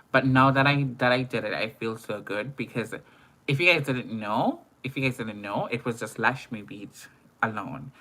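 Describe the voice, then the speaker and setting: Man, Antiguan accent, very bright forward voice, mid pitch, casual livestream chat, expressive, emphatic repetition. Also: low-quality recording. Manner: informal, expressive, repeats phrases for emphasis. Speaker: makeup artist and live streamer.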